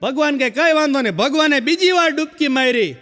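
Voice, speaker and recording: A male comedian telling a long stage joke and chanting parts of it in a lower voice. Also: expressive, brisk, a bit bright, big-room sound.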